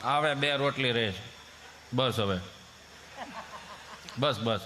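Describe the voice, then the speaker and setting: A man, telling jokes and folk stories on stage in a lively, playful way. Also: mid-range voice, takes it slowly. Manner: lively, jokey folk storytelling with acted voices. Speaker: stage comedian. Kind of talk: stage comedy storytelling. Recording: reverberant hall with faint hiss.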